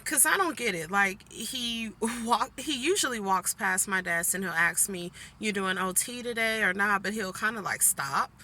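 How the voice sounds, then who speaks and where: Bright-voiced woman venting from her car. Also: medium pitch, moderate pace, hardly any pauses, slight background noise. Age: 40s. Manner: chatty venting, keeps addressing viewers as "guys". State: annoyed. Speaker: vlogger. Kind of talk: casual vlog chat. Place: inside a parked car.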